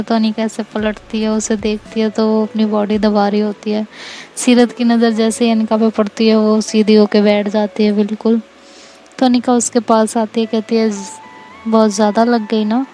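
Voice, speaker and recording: A woman's voice: a little high, level tone, normal speed, warm tone, faint music behind. A young woman narrating a romance story in a chatty, conversational way. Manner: chatty, conversational, with filler phrases. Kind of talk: casual spoken love-story narration.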